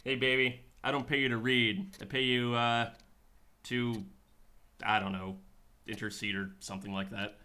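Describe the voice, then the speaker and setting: A man's voice: mid-range voice, level tone, moderate pace, sharp tone, natural voice. A man playing a laid-back, sardonic private detective in a sci-fi radio drama, with a dry, offhand manner. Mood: wry, casual. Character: wry, laid-back male private detective in futuristic Boston. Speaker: actor in a radio play.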